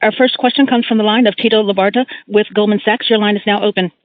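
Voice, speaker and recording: Brisk female operator on a phone line. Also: mid-range voice, steady tone, no room sound. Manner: formal, procedural. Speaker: conference call operator. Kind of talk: scripted call announcements. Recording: narrow, tinny phone line, dry.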